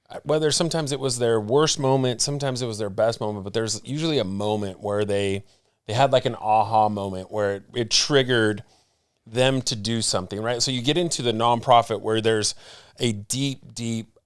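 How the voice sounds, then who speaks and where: A man's voice: on the low side, clear, resonant tone, no echo, studio quality. A man co-hosting a podcast, asking long rambling questions with many fillers. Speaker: podcast co-host. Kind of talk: interview questions.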